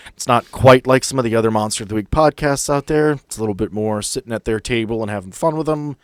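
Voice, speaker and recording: A man's voice: medium pitch, fast talker, smooth, no room sound. A man talking casually as game master and host of a tabletop role-playing podcast.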